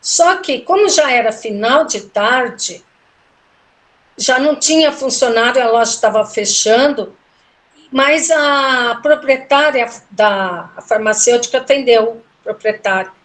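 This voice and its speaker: A middle-aged woman with a fairly high voice tells a personal story in relaxed conversation. She retells it with feeling and slips into the voices of the people she quotes. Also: measured pace. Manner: emotional, animated retelling with quoted dialogue. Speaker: guest telling a personal story. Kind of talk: casual storytelling interview.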